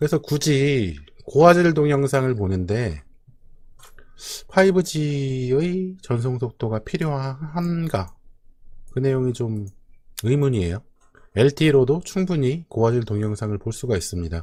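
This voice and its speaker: The voice has a dark, mellow tone and lively intonation. It moves at a fairly slow pace with long, frequent pauses. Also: man, medium pitch for a man. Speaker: tech explainer YouTuber. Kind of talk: casual explainer talk to camera.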